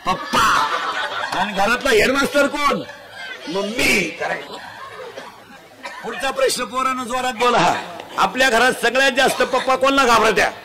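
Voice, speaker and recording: A male preacher delivers a comic devotional sermon in a high, carrying voice. He scolds in a folksy way and fires questions at the listeners. A large live crowd is heard shouting answers and laughing. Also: moderate pace, pauses often. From Maharashtra. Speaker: kirtan preacher. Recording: live event with a loud crowd. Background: crowd responding and laughing.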